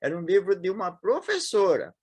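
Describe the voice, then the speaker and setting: A man in his eighties with a São Paulo accent, reminiscing as an interview guest, talking haltingly with frequent restarts and fillers. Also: high voice, very animated, slightly rough, no echo. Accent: Paulistano Brazilian Portuguese. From São Paulo, Brazil. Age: 80s.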